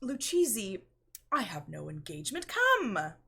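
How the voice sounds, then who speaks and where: A woman voicing an excitable, boastful drunken Italian nobleman in a storybook read-aloud, exclaiming and insisting. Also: mid-range voice, measured pace, creaky, slightly rough, full character voice. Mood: impatient, insistent.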